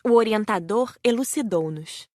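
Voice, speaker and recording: A woman reads a first-person audiobook story in a mid-range voice. Her delivery is measured and carefully enunciated, and the sound is dry, with no room around it. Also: mid-range voice, expressive, darkish tone, dry recording. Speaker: audiobook narrator. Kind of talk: scripted first-person narration of a spiritist story.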